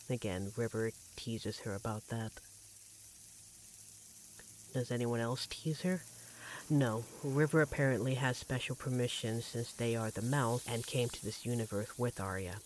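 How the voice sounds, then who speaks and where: A man playing an affectionate, devoted vampire partner in a roleplay audio drama, speaking in a tender, gently teasing, conversational way. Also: medium pitch, lightly acted, poor audio. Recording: clearly audible background noise, sizzling kitchen effects.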